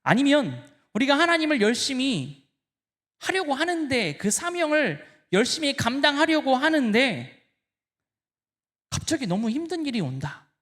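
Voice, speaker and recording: A male pastor delivers an impassioned sermon, his pitch leaping and falling in a lively, animated way. He drops to near-hushed lines and then rises hard, speaking directly to the congregation as he preaches. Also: measured pace. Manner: impassioned, swinging between hushed and loud.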